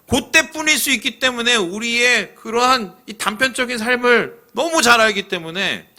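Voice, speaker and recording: A male pastor preaching a sermon in a church in a colloquial, animated way, acting out the people he quotes. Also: high voice. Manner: leads the congregation in reading aloud. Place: church sanctuary.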